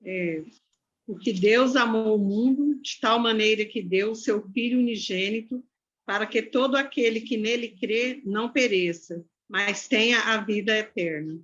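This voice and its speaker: A woman's voice: a little high, a little slow, fairly bright tone, highs cut off, slight background noise. A woman with a Brazilian Portuguese accent, a participant in a study group, reading a verse aloud carefully.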